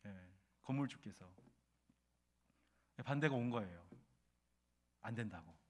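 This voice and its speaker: A middle-aged male pastor preaching a sermon, telling a story and asking his congregation questions, rising loud when moved. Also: fairly low pitch, expressive, a little slow. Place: church sanctuary.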